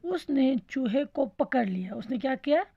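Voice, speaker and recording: Woman teacher, online lesson for small kids, simple repeated explanations, constant check-ins, husky and gravelly, dry lo-fi. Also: high-pitched, expressive, unhurried, no room sound. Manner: keeps checking in with "theek hai", asks questions and answers them herself. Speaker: schoolteacher. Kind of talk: online lesson for young children. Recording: dull lo-fi dry recording.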